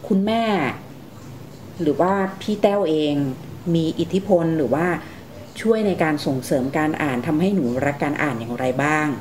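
Lower-pitched woman hosting an interview. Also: lively intonation, normal speed. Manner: gently prompting, calls herself "big sister" to young guests. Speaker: radio programme host interviewing two young sisters. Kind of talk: conversational interview. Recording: faint background noise.

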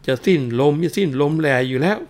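A man's voice: fairly high pitch, a little fast, darkish tone, voice pushed up. A man voicing a cowardly bald rich man who whines, wails and fakes illness and possession. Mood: feigning sickness. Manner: whiny, wailing, feigns illness and spirit possession.

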